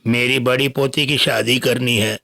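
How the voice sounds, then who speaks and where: An actor dubbing a poor old grandfather who talks softly and wearily, pleading over his home. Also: medium pitch, fairly even intonation, unhurried. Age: older. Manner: soft, weary and pleading. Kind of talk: Hindi film dub. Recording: film soundtrack with clear music.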